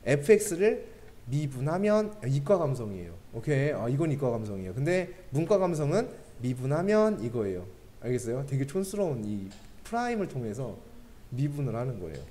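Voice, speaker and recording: Lively man teaching math. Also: mid-range voice. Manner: keeps checking understanding with quick questions to students; joking asides between explanations. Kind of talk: classroom math lecture.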